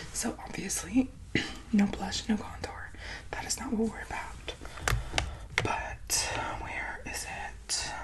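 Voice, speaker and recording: Against loud background noise, a soft-spoken woman talks very slowly, with long, frequent pauses. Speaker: makeup vlogger. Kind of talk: casual makeup tutorial chat. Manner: soft, hushed ASMR talking. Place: home room. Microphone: phone near.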